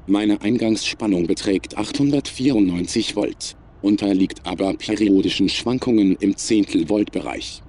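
A man's voice: on the low side, normal speed, hardly any pauses, a little mellow, close to an everyday voice. A man playing a coldly logical, superior artificial intelligence in a science fiction audio drama, speaking formally and without emotion. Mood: cold, detached.

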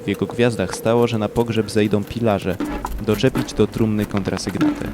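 A man's voice: lowish voice, fairly even intonation, moderate pace. A man reciting scripted poetry for an audio drama, with music behind him. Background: loud music.

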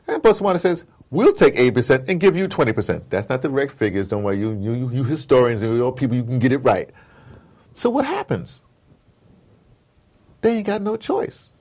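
A man's voice: mid-range voice, a little fast. A man being interviewed, giving passionate, informal political commentary with emphatic storytelling, slangy phrasing and rhetorical questions. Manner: animated, emphatic storytelling, acts out dialogue. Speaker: interview guest.

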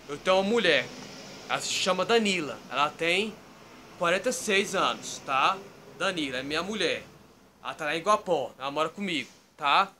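A man's voice: high voice, bright, forceful tone. A man rambling to his webcam from his bedroom, tagging nearly every phrase with "tá?" or "né?". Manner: repeats "tá?" and "né?" constantly, loose digressive storytelling. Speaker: YouTube vlogger. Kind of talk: rambling casual talk to camera. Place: bedroom at home, indoors.

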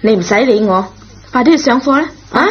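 An actress playing a kind, forgiving schoolteacher in a radio drama, speaking in a gentle, measured, reassuring way. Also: female voice, fairly high pitch, expressive, close to an everyday voice. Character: kind, forgiving, patient female schoolteacher, a parent. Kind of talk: Cantonese radio drama acting. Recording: dull, noisy old radio recording.

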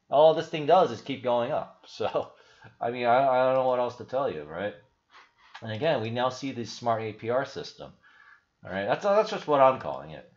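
A man's voice: mid-range voice, dull audio. A young man hosting a crypto video, talking casually over his screen share and thinking aloud with many fillers and restarts. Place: indoor room.

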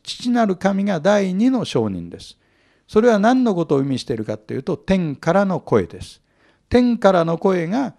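A man's voice: fairly high pitch, creaky, a little mellow. A man teaching a Bible lecture, explaining the text and asking his audience rhetorical questions.

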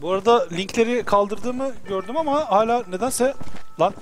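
A young man giving casual, excitable gameplay commentary, swearing and talking to the game as he plays. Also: high voice, normal speed, noisy background. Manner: excitable, swearing, talks to the game and his horse. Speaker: gameplay streamer. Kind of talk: casual let's-play commentary.

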